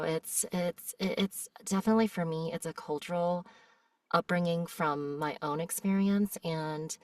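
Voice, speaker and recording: Low-voiced reflective woman, slightly off-mic. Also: no room sound, studio quality. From United States. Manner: reflective and candid. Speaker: voice actress guest. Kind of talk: casual interview chat. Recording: voice a bit distant from the mic.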